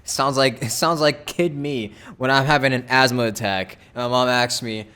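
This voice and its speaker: A man's voice: medium pitch, steady tone, moderate pace, sharp tone, clean tone. A man giving casual live reactions as a game streamer, with game music behind him.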